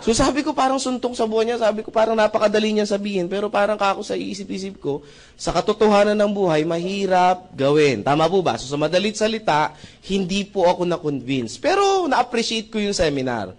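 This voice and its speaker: A young man from the Philippines giving an animated testimonial at a seminar, acting out conversations and often asking the audience to agree. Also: high voice, brisk. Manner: acts out dialogue with shifting voices, asks audience often. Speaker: seminar speaker.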